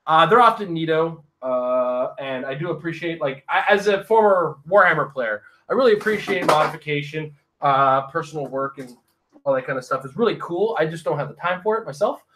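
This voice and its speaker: A man's voice: on the high side, expressive, fairly quick, a bit bright, slight background noise. A man co-hosting a podcast, chatting casually and telling easygoing stories about gaming. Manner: easygoing storyteller. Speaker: podcast co-host. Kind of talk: casual chat.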